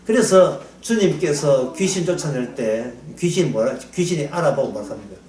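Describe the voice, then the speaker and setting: Animated male Bible lecturer, high voice. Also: normal speed. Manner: animated, acts out quotes, laughs often. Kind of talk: sermon-style Bible lecture. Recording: echoey room, distant mic.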